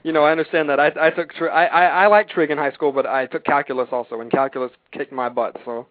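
A man hosting an interview, asking questions in a brisk, chatty, self-deprecating way. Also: a little high, fairly even intonation, dry recording. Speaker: host. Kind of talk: interview questions, casual chat. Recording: dry phone-line sound.

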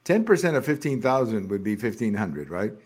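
A male talk show host questioning his guest in an animated, incredulous way. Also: on the low side, brisk, husky. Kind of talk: casual political talk.

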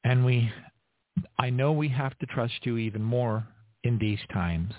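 A man's voice: medium pitch, dry recording. Earnest man praying over a tinny line. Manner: earnest, halting, with frequent restarts. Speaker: prayer leader. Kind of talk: spontaneous spoken prayer. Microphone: online stream. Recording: tinny phone-like line, dry.

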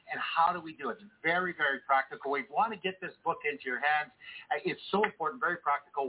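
A man hosting a ministry program, earnestly recommending a book to viewers. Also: a little hiss or hum. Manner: earnest, enthusiastic pitch. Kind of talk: on-air book offer. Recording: tinny phone-like sound.

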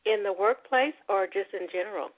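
Woman caller, husky and breathy, matter-of-fact, heard over a tinny phone line. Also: medium pitch, normal speed. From California. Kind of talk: phone-in questions to a psychic.

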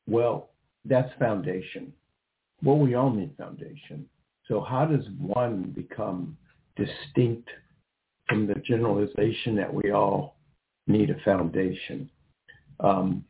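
A man co-hosting a casual talk radio show, explaining in a halting, rambling way and often rephrasing. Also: lowish voice, vocal fry. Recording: tinny phone-like line, faint hiss.

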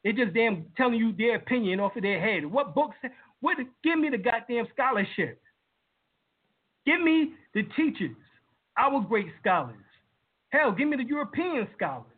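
A man's voice: very high-pitched, lively intonation, moderate pace, husky. A man hosting a live-stream lecture, talking casually with lots of fillers and building emphasis. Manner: emphatic, with many fillers and rising heat. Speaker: lecturer and show host. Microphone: video call. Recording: tinny phone-like line.

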